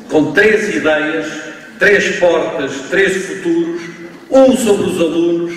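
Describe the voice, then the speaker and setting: A man from Portugal with a European Portuguese accent, giving a university lecture in a slow, emphatic way, often adding tag questions. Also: on the high side, slight background noise. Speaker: guest lecturer. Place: large lecture hall. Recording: distant, echoey hall recording with faint ambience.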